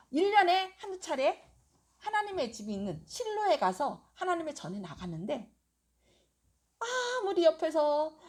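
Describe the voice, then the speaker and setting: A woman's voice: high-pitched, darkish tone. A woman pastor preaching a sermon, telling a story expressively and quizzing the congregation with questions.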